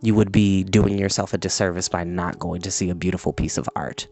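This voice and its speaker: A man hosting a storytime, chatty and animated, moving between casual talk and story reading. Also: low voice, brisk. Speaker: storytime host and reader. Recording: music playing in the background.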